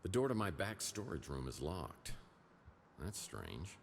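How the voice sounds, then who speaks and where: An actor playing a deadpan, self-deprecating, down-on-his-luck male private eye in a noir detective game. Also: deep voice, unhurried, gravelly, exaggerated voice. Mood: wry, deadpan.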